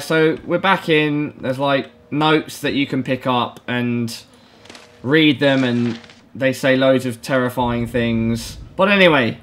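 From a small home room, a young adult man with a mid-range, fairly bright voice reacts fearfully to a horror game. His commentary is nervous and repetitive, full of pleading, and often punctuated by dry humor.

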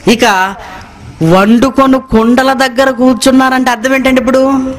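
A man's voice: very high voice, fairly even intonation, normal speed, slight background noise. A man preaching a sermon, asking the congregation rhetorical questions and repeating phrases for emphasis. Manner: reads scripture line by line, echoing the congregation.

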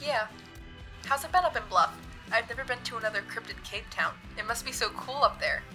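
A woman's voice: on the high side, animated, brisk, music in the background, natural voice, rough recording. A young woman playing an eager, nervous cub reporter in an audio drama, chatty, hesitant and self-conscious. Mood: excited, friendly.

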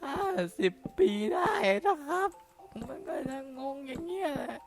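A jumpy, excitable young game hero with a piercing, very high squeak. He talks his way through every step and blurts out yelps and curses whenever something startles him. Faint music plays underneath. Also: unhurried, gravelly, heavily acted. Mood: excited. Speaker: game caster. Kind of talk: playing and narrating a block-building game in a put-on voice.

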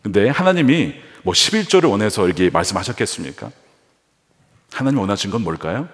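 A male pastor preaching a sermon with animated delivery, acting out the voices he quotes. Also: lowish voice, quick pace. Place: large church sanctuary. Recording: reverberant church hall.

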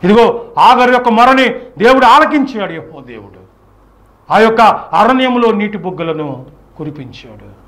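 Male preacher, high-pitched voice; fervent, emphatic exhortation in a church sermon style. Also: animated, moderate pace, long pauses, fairly bright tone. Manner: exhortatory, emphatic, repetitive rhetorical questions.

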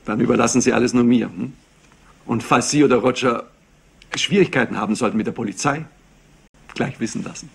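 An actor playing a solicitous company confidant in a crime drama, reassuring and insistent. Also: male voice, medium pitch, a little fast, vocal fry, long pauses, a little hiss or hum, close to an everyday voice. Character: solicitous, smooth-talking male company confidant. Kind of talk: German crime drama acting.

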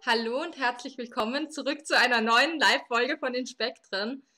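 A person in their late twenties from Austria hosting a live podcast, explaining the rules at length with small fillers. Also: female voice, a little high, moderate pace, over music. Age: 20s. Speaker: podcast host.

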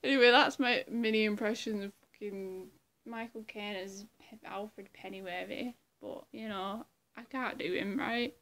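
A woman's voice: mid-range voice, steady tone, normal speed, a bit bright, slight background noise. A young woman chatting casually to her webcam in a small room, swearing and laughing often. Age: young adult. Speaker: vlogger. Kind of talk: casual vlog chat.

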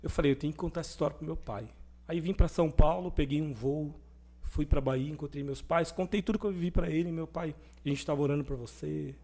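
Man telling a lively faith testimony. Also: on the high side, quick pace. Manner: animated testimony, acting out quoted dialogue. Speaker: podcast guest. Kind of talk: conversational storytelling.

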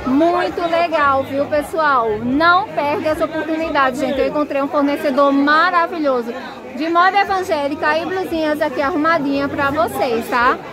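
A shopping vlogger from the northeast, a chatty woman with a high voice, films an outdoor clothing market on her phone at a moderate pace and gushes over the bargains, repeating "minha gente." It's an excited walkthrough of the stalls, with a busy crowd of shoppers clearly audible behind her.

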